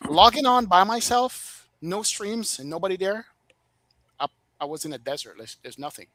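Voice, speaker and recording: Jamaican-accented male guest, lively storyteller, slightly high voice, dry recording. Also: moderate pace, dry recording, rough recording. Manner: animated storyteller, laughs often, emphatic. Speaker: guest flight sim streamer. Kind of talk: casual podcast chat.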